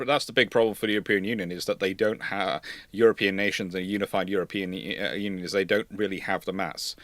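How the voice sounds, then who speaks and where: A man with a fairly low voice speaks in a dry, unechoing space. He hosts a casual analytical discussion and circles back to rephrase his points in a discursive way. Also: sharp tone, dry recording. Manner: discursive, repeats and rephrases phrases. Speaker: host of naval history livestream.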